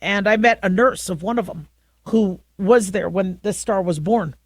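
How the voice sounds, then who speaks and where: A middle-aged woman with a deep voice hosting a talk radio show, talking through her views in a conversational way with frequent restarts. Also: no room sound. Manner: conversational, halting with many restarts. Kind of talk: opinionated talk radio monologue.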